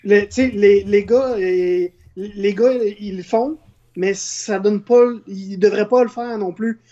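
A woman's voice: mid-range voice, slow pace, warm tone. Muffled Quebec French woman arguing opinions. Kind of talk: casual opinionated discussion. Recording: dull, muffled lo-fi sound.

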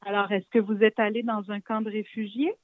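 A woman interviewer who asks slow, gentle, encouraging questions. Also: mid-range voice, little pitch movement, no echo. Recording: dry phone-line audio.

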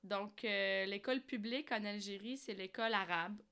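Bright, clear-voiced woman from Algeria. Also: medium pitch, moderate pace. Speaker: podcast guest. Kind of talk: casual conversational storytelling.

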